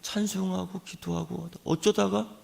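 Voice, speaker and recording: A male pastor delivering a sermon as animated storytelling, dropping to a hush and rising again. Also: high-pitched, moderate pace, vocal fry. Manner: animated storytelling, swings from hushed to loud.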